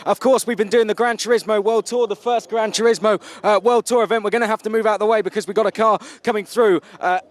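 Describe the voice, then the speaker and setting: A man presents live from an event, speaking off the cuff. His voice sits clearly high for a man. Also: fairly even intonation, quick pace, few pauses.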